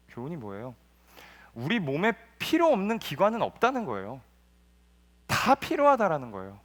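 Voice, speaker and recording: Lively man preaching a sermon. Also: fairly high pitch, long reverb tail. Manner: lively storytelling, asks the audience questions. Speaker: junior pastor. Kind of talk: sermon at a youth service. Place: church.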